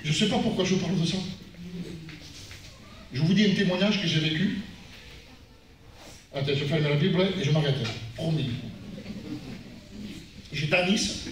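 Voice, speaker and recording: High, bright-voiced pastor preaching in an echoey church. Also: male voice, measured pace, long pauses, recorded from a distance, a little hiss or hum. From France. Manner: animated, rises loud and high when retelling events. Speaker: guest pastor. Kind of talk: sermon with personal testimony. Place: church hall.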